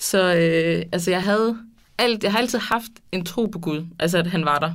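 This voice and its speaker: Ordinary pitch variation with audible room echo. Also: woman. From Denmark, Funen. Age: 20s. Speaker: doctor. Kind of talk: testimony. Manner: hesitant, many fillers.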